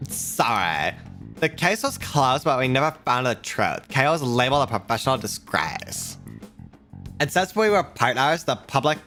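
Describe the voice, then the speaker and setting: A man's voice: medium pitch, sharp tone. A man reading as a brash drunk female reporter. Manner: reads lines aloud, tipsy drawl. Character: brash hard-drinking female journalist. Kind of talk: reading game dialogue aloud.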